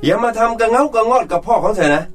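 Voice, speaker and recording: A man's voice: high voice, fast, soft background music, lightly acted. An actor playing a middle-aged, arrogant rich businessman and father who scolds harshly and bosses everyone around. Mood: complaining.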